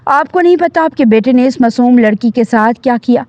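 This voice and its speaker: A woman's voice: a little high, animated, darkish tone, no echo, lo-fi sound, close to an everyday voice. A woman voicing a protective young man in a storybook reading, speaking with stern, held-back anger. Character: angry protective young man, older brother.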